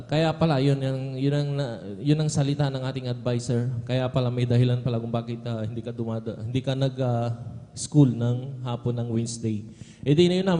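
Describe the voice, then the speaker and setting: A man's voice: mid-range voice, mellow. A young man with a Filipino accent giving an earnest testimony at a prayer service, saying "beloved" after almost every phrase. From Philippines. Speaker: church member giving testimony. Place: church hall. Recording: long reverb of a church hall.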